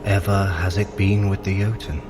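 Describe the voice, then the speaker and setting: A man's voice: deep voice, flat delivery, normal speed, background noise, natural voice. A man playing a cool, clever, haughty trickster god in an audio drama, with dry, wry, precise delivery. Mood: wry, needling. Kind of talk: scripted audio drama acting.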